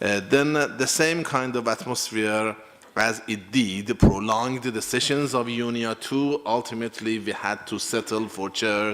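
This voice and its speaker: The voice shows ordinary pitch variation amid noticeable background noise. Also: man, medium pitch for a man. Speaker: government delegate. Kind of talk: formal meeting statement. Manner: halting, many fillers.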